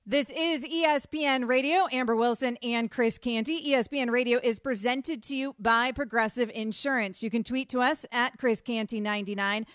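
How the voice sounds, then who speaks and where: A woman hosts sports talk radio in a brisk, upbeat, conversational manner. Her voice is smooth and clear, pitched a little high, and sounds close and dry on a studio microphone. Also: fairly bright tone, no room sound. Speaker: radio host.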